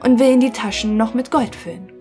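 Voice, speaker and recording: A woman's voice: on the high side, brisk, darkish tone, faint music behind, close to an everyday voice. A woman voicing a proud young craftsman. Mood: eager.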